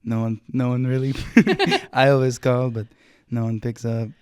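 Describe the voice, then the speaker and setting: A woman's voice: rumbling low, level tone, normal speed, a little mellow, smooth, dry recording. A young woman co-hosting a podcast, chatting casually and often laughing. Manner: laughs often, gives short backchannels. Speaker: podcast co-host. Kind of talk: casual chat.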